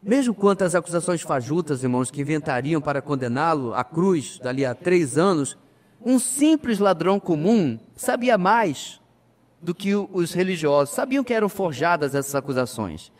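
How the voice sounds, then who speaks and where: A man preaching a sermon as pastor, addressing the congregation as brothers, emphatic with slow pauses. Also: fairly high pitch, animated, a little mellow. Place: church. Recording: reverberant church hall.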